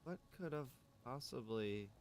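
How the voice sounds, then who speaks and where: A man's voice: medium pitch, animated, measured pace. A man who streams games, thinking aloud casually and muttering to himself in a baffled way. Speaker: game streamer. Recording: clear background noise.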